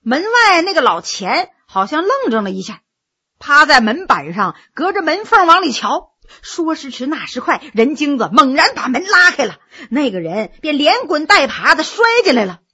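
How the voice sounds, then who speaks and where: A woman narrating a story in a lively, expressive audiobook style. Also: high voice, normal speed.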